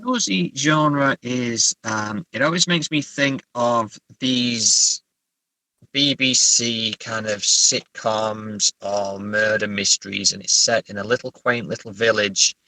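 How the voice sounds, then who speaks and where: A man talking casually as a writer being interviewed, halting as he thinks aloud. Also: lowish voice, sharp tone, no echo, low-quality recording. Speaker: writer, podcast guest. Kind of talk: casual interview chat about writing.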